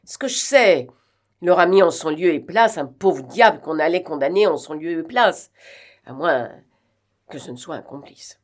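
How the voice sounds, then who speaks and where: A woman's voice: deep voice, expressive, moderate pace. A woman reading the lines of an uneasy, insistent older male police inspector in an audiobook.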